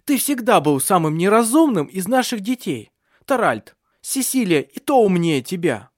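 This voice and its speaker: A man reading a story aloud, voicing a soft-spoken middle-aged mother of a household. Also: sits high, big pitch swings, moderate pace, dry recording, studio quality, pitched above the performer's own voice. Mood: scolding. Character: gentle middle-aged mother, turning fierce.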